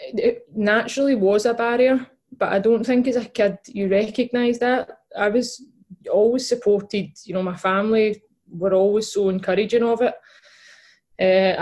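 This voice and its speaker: A young Glaswegian woman from Scotland, a footballer and podcast co-host, chats casually as an interview guest, full of fillers and restarts. Her voice sits at medium pitch with a steady, darkish tone and a moderate pace.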